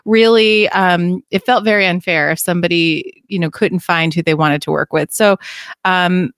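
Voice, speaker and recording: A woman in her forties, a company founder telling her story as a podcast guest, lively and quick to laugh. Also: lowish voice, clean tone, dry recording, studio quality. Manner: lively, laughs easily, conversational. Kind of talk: interview storytelling.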